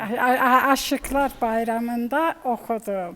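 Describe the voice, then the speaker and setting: A woman talks very slowly with ordinary pitch movement while noticeable noise fills the background. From Kars, northeastern Turkey. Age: 80s+. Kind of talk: interview answer.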